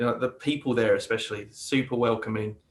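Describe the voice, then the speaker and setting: A man speaks with an English accent at a moderate pace. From London, England. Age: 30s. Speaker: improv hobbyist, finance worker. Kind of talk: casual chat. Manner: hesitant, many fillers.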